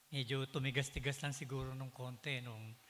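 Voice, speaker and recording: At a fairly slow pace, a man speaks with a medium pitch and a monotone, flat intonation. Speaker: preacher. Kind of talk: sermon.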